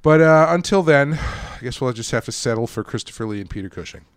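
A man's voice: mid-range voice, expressive, a little fast, clean tone, dry recording, studio quality. A man co-hosting a casual film podcast, rambling with restarts and chuckles. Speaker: podcast co-host.

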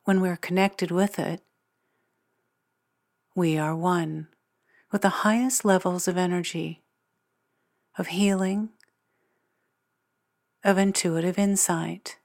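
A woman narrating a guided meditation as its guide, speaking in measured, deliberate phrases with long pauses. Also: fairly low pitch, fairly even intonation, a little mellow.

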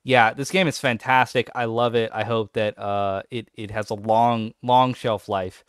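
A man's voice: medium pitch, unhurried, clear, resonant tone, no room sound, studio quality. A man co-hosting a podcast in casual chat, talking with growing enthusiasm. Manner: enthusiastic, animated when excited. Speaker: podcast co-host.

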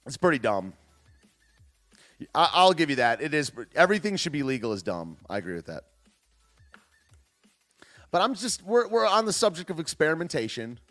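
Male stream host, casual commentary, joking and rambling, lively swooping pitch, faint music underneath. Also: moderate pace, long pauses. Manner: joking, rambling, trails off and restarts. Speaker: livestream host. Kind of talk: casual commentary, reading chat.

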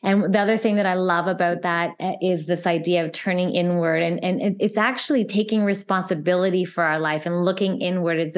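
A woman hosts an interview and speaks in a somewhat low voice. She is effusive, heaping praise on her guest before she asks her questions. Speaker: interview host. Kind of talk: interview chat.

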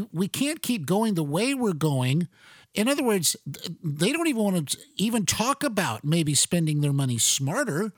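A man's voice: sits high, no echo, studio quality. A man hosting a political talk show, chatting in a sarcastic, conversational way with many fillers and restarts. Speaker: talk radio host.

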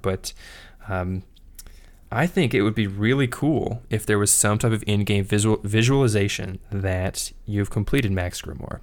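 A man's voice: fairly low pitch, creaky. A man co-hosting a casual gaming podcast, speaking in a hesitant way with fillers and self-corrections. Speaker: podcast co-host.

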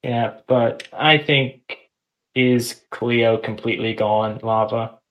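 A man's voice: mid-range voice, steady tone, muffled recording. A man playing in a tabletop game, speaking hesitantly. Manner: hesitant, halting. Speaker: player. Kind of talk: casual tabletop role-play.

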